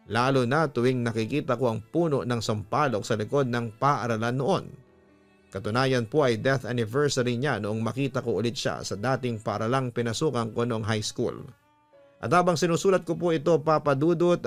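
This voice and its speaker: A man hosting a story program, reading scripted narration in an earnest, sentimental way. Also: medium pitch. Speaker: radio story host and narrator. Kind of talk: scripted narration of a listener's letter and heartfelt advice. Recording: music bed behind the voice. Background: background music.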